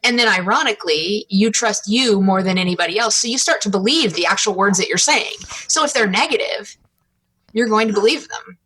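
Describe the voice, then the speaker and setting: A woman's voice: medium pitch, brisk, bright, forceful tone, rough recording. A woman co-hosting a podcast, speaking reflectively and hedging her points, often restarting with "I mean". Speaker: podcast co-host. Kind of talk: casual podcast conversation.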